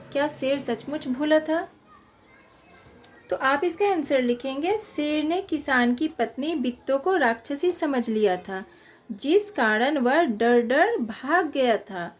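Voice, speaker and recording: A high-pitched woman teaching young children, going slowly through workbook questions and spelling out each answer. She speaks in an unhurried, patient way, as if pausing for them to write it down. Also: darkish tone. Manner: slow, patient explaining, reading questions and dictating answers.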